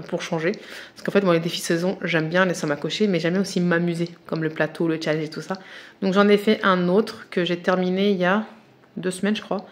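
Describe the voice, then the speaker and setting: A French woman chatting casually and eagerly to her viewers about budget challenges as she unboxes them, with many fillers and restarts, and tired. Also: fairly low pitch. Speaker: budgeting vlogger.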